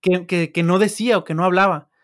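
A young Mexican man with a high, light voice talks in a loose, slangy way and laughs easily. He speaks casually as a guest on a podcast. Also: steady tone, brisk. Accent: Mexican Spanish. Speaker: software engineer guest.

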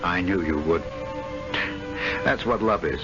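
A man's voice: low-pitched, a little slow. An actor playing an anxious, weak-willed male trust officer in debt, pleading and flustered in an old radio drama. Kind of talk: 1970s radio drama acting. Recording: lo-fi vintage radio with faint music.

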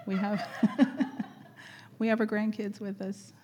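A middle-aged woman leading a church gathering, chatty and laughing often, her voice going hoarse. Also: mid-range voice, flat delivery, slow, a little mellow, slight background noise. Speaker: church leader. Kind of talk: warm casual church greeting and exhortation.

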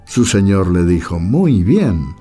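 A man's voice: low voice, big pitch swings, slow, warm tone. A man giving scripted storytelling narration for a religious radio play. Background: faint guitar music.

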